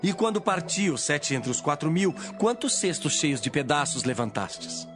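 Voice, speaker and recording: A male actor performs a stern male teacher in an audio Bible drama. The delivery is solemn and declamatory, with animated, emphatic swings in pitch. The voice sits fairly high for a man, with prominent music behind it. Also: moderate pace. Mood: stern, questioning.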